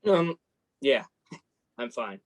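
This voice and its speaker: A man's voice: mid-range voice, lively intonation, very slow. A man playing a sensitive, embarrassed college freshman in a play reading, guarded and dryly self-deprecating. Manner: self-deprecating, dry sarcasm. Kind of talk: staged reading of a play, naturalistic dialogue.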